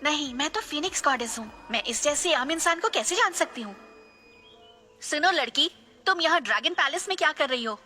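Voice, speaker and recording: A woman's voice: high-pitched, animated, normal speed, sharp tone, faint music behind. A woman voicing a sneering phoenix goddess. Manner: arrogant, sneering. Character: haughty scheming phoenix goddess, adult woman.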